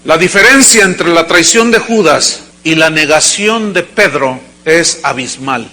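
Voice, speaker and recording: A male pastor delivering a sermon to a congregation, with dramatic acted quotes and sudden shouts. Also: fairly high pitch, lively intonation, unhurried. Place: church service before a congregation.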